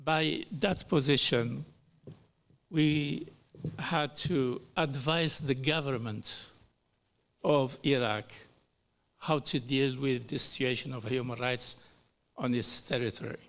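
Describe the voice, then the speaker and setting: A middle-aged man from Algeria giving a formal speech as a panel speaker at a human rights hearing, slow and deliberate, with pauses and fillers. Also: medium pitch, creaky, fairly bright tone.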